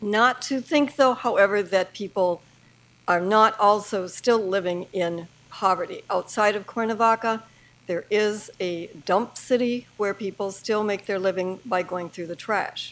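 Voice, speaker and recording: With ordinary pitch variation, the woman talks at a fairly slow pace. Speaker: presenter. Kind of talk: presentation talk. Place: hall.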